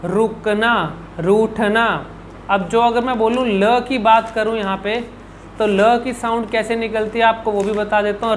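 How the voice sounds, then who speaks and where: A man's voice: high voice, a little hiss or hum, rough recording. A man working as a speech coach, answering viewer questions in an instructional video and demonstrating each sound by repeating syllables and words. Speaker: speech and public speaking coach.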